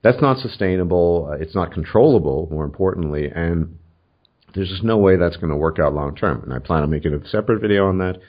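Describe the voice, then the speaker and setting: A man hosting a casual, opinionated discussion in a measured, somewhat hesitant way. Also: low-pitched, lively intonation. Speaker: host of a political video channel. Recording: dull, lo-fi audio.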